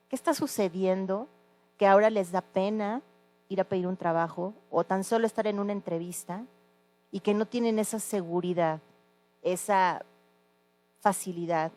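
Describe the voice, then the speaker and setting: A woman's voice: medium pitch, warm tone. A woman interviewing a former teacher, asking earnest questions with some hesitation.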